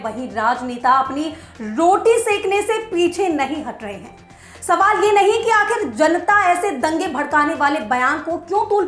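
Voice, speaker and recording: Her voice sits high and a touch bright as this woman presenter delivers scripted news commentary with emphasis, rhetorical flourishes and a sarcastic bite. Music runs underneath in an echoey room.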